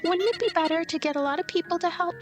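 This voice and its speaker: Casting: woman playing meek, easily led young girl for a story game, halting delivery, very high voice. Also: over music. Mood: timid, reluctant. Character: timid, dim, easily manipulated young girl, Clara.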